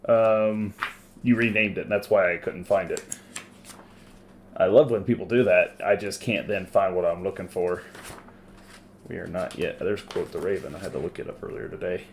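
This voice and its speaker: A man narrating and refereeing a tabletop role-playing game as game master, conversational and pausing to explain rules. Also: deep voice, fairly even intonation, a little hiss or hum.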